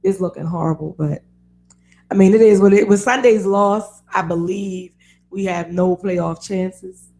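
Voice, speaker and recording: Raspy-voiced woman hosting sports radio. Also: mid-range voice, a little slow, a little mellow. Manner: chatty, opinionated, laughs often. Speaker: radio show host. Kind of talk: casual sports talk radio. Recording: online radio show.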